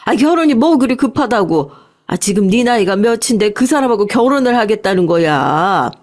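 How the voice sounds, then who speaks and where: A woman's voice: medium pitch, lively intonation, moderate pace, a little mellow, close to an everyday voice. Woman voicing a pleading, careworn middle-aged mother. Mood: pleading, reproachful. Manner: pleading, sighing interjections. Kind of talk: dramatized story dialogue.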